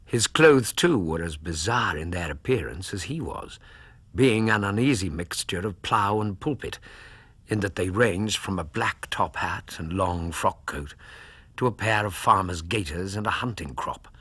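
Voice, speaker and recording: A steady doctor narrates and comments in a hushed way. His voice is low and very husky, recorded dry and close. It suits a radio drama. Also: unhurried, no room sound, full character voice. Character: solid, concerned male doctor and narrator.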